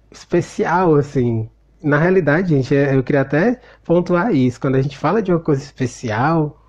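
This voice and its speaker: A man's voice: fairly high pitch, a little mellow, dull audio. A man with a Brazilian Portuguese accent, giving a casual spoken commentary on a book and retelling a film scene in a reflective, storytelling way.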